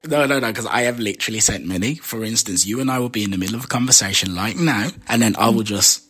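A man's voice: on the low side, quick pace, bright, forceful tone, breathy edge. A man with a Jamaican accent hosting a podcast, bantering in a playful, teasing way. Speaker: podcast host. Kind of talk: casual flirty banter.

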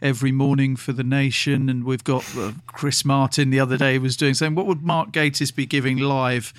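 A man's voice: mid-range voice, flat delivery, brisk. A man speaking as a podcast host, introducing and interviewing a guest from a room at home.

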